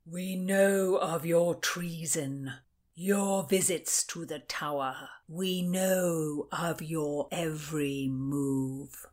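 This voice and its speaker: A woman voicing a stern, commanding nobleman who interrogates a prisoner in a cold, slow, imperious manner. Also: a little high, fairly even intonation, pitched below the performer's own voice. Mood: cold menace.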